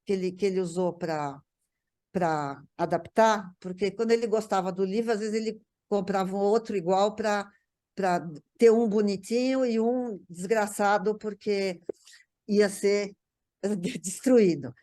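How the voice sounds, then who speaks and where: A woman with a Brazilian accent talks casually as a guest, looking back on memories. Her delivery is halting, circling over small words while she gathers the next thought. Her pitch sits in an ordinary range for a woman. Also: fairly even intonation, warm tone. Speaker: interview guest. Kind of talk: casual reminiscing conversation.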